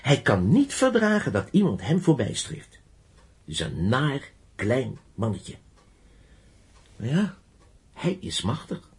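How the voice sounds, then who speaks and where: Husky, halting man in radio drama. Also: mid-range voice, huge pitch swings, exaggerated voice. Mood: bitter, despondent. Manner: halting, intense. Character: blind male music teacher, embittered yet idealistic fighter. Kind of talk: Dutch radio drama acting.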